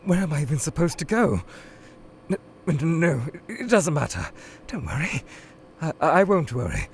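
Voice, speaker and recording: A man voicing a formal, anxious male skeleton scientist who is lost in a void, speaking in a measured way that can turn frantic and pleading. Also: fairly high pitch, very animated, a little hiss or hum. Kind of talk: fan audio drama. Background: music.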